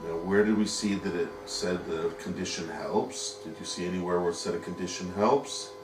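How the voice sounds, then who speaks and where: Low-voiced man teaching, patient and methodical. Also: moderate pace, background noise. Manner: patient, explains step by step with rhetorical questions. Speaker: yeshiva teacher. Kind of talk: Talmud study lesson. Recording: echoey room, mic at a distance.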